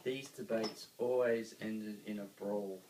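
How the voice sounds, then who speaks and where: A man with an Australian accent reads a children's story aloud, dramatically, with emphatic pauses. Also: on the low side, fairly even intonation, darkish tone. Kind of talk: expressive children's story reading. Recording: roomy, distant mic, faint noise.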